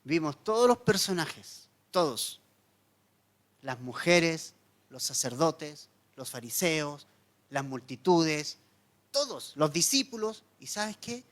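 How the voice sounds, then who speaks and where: Impassioned pastor swinging loud to hushed. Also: male voice, fairly high pitch, very animated, takes it slowly. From Chile. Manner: dramatic storytelling, wide swings from loud to hushed. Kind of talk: sermon.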